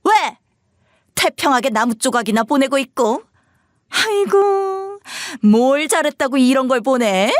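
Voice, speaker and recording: A woman's voice: high-pitched, expressive, normal speed, fairly bright tone, no room sound, studio quality, pitched above the performer's own voice. A woman voicing a bossy, scornful middle-aged mother-in-law who scolds and sneers, for an audio story. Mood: scornful scolding.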